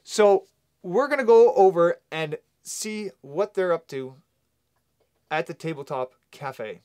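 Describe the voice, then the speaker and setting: A man's voice: high-pitched, animated, takes it slowly, darkish tone. A man from Canada hosting his channel, talking upbeat and direct to the camera in a studio. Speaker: channel host. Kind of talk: casual video intro to camera.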